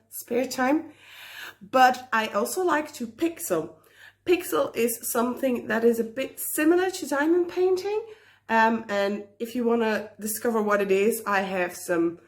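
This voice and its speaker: Woman, kinda high voice, chatty teacher with lots of ums. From Belgium. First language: Dutch. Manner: friendly, chatty, lots of ums and small laughs. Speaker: teacher, guest creator. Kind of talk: casual video message.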